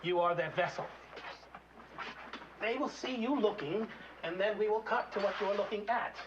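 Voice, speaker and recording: A man's voice: high voice, moderate pace, close to an everyday voice. An actor playing a domineering male film director who coaches his cast in commanding, theatrical pronouncements on dull, noisy audio. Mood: commanding, teasing. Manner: commanding, aphoristic.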